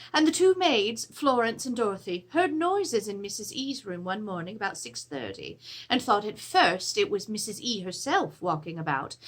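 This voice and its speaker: Woman playing an expressive Edwardian lady, high-voiced. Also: husky, heavily acted. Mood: animated, astonished. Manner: formal, theatrical, expressive storytelling. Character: Edwardian English lady writing of a haunted household. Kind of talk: dramatic reading of a period letter. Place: small room with draped cloth backdrop.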